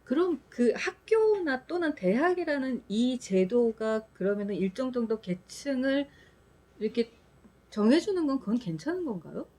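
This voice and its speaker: A woman's voice: high-pitched, sing-song, normal speed, darkish tone. A woman moderating a casual roundtable discussion, probing the others with questions.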